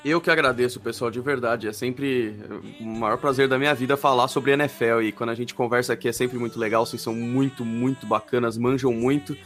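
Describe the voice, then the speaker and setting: Fast-talking Brazilian man. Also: mid-range voice, steady tone, fairly bright tone, soft background music. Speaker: guest panelist. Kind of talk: casual live sports chat.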